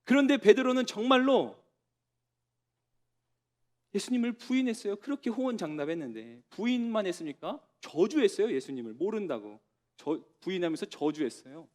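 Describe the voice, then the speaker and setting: A man preaching a sermon as pastor to young adults, telling the story with dramatic pauses and dropping to a soft voice for tender words. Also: high voice, lively intonation.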